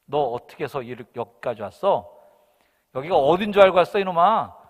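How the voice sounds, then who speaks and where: A preacher playing a scornful scolding big brother. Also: male voice, a little high, animated, moderate pace, close to an everyday voice. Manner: scolding, mocking. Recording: long hall reverb.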